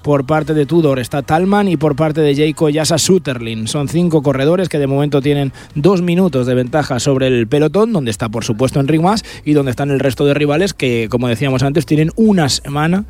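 A man's voice: on the high side, brisk, hardly any pauses, darkish tone. A man reporting on a cycling race for radio, fluent and detailed. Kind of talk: live sports report.

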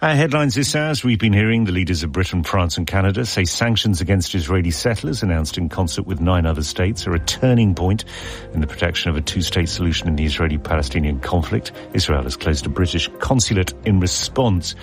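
A man presenting live radio news, reading headlines and introducing reports in a measured, formal way. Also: deep voice, expressive. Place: broadcast studio. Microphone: studio microphone.

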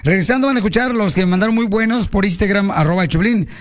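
High-voiced joking Mexican radio host. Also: male voice, quick pace. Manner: playful, laughing, teasing.

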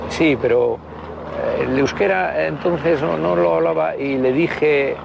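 A man's voice: a little high, slow pace, gravelly. A man, telling memories in a reflective, anecdotal way with many hesitations. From Basque Country. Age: 60s. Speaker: interviewee, party member. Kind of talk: reminiscing in a walking interview. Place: outdoors on a city street. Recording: outdoor street noise with traffic.

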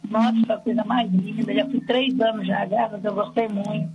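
A woman's voice: mid-range voice, fairly even intonation, brisk. Brazilian woman on a dull phone line. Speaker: caller to a radio prayer show. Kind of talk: casual phone-in chat. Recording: dull phone call, music behind. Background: music bed.

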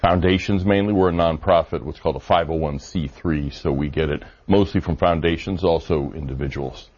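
Deep-voiced man, measured interview guest. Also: darkish tone, breathy edge. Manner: measured, hedging with fillers. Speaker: think tank director, guest. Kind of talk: interview answers. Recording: dull lo-fi broadcast audio.

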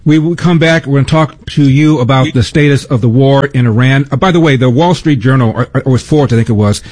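A man hosting a political talk show, speaking conversationally with some halting fillers. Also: medium pitch, darkish tone. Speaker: radio talk host.

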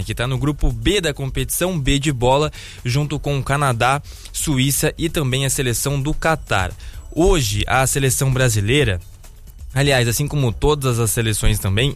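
A male sports reporter with a mid-pitched voice delivers a radio update, upbeat and keen to explain the details. Faint music sits under his voice. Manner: enthusiastic, explanatory.

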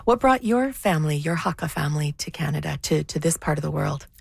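A woman's voice: sits low, lively intonation, quick pace, creaky, breathy edge, no room sound, studio quality. A woman host interviewing a guest, asking brief, curious questions with small restarts.

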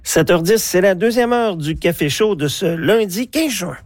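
A man's voice: high-pitched, lively intonation, moderate pace. A male morning radio host with a cold, casually opening his show. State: has a cold. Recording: music bed under voice.

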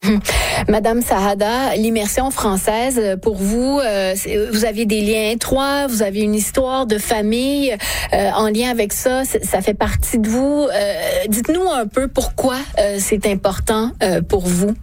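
A woman radio host asking interview questions, pausing with fillers as she frames them. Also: mid-range voice, darkish tone. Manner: hesitant, filler-laden questions.

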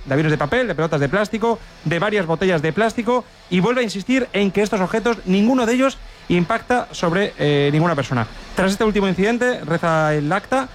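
A man reporting live as a sports radio reporter. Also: sits high.

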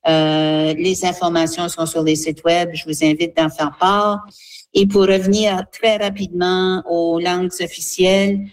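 A woman, a guest speaking earnestly for a seniors' association, pausing often with fillers. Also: lowish voice, darkish tone. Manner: earnest, halting, with many fillers. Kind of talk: radio interview, advocacy.

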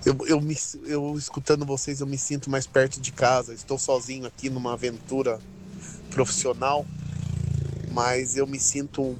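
A Brazilian man from São Paulo sending a grateful voice message to a radio show. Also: mid-range voice. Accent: Brazilian Portuguese. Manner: heartfelt, grateful.

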